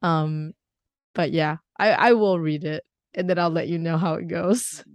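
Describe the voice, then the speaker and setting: A woman's voice: deep voice, fairly even intonation, unhurried, dry recording. A woman from Singapore in casual conversation, chatty and laughing often, trailing off and restarting her sentences. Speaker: conversation partner. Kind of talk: casual chat.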